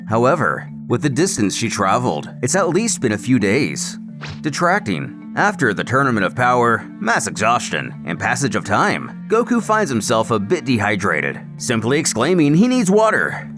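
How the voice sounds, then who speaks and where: Lively male story narrator over music. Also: fairly low pitch. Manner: expressive, storytelling emphasis. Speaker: narrator of fan comic recaps. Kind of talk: dramatic scripted story narration. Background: background music.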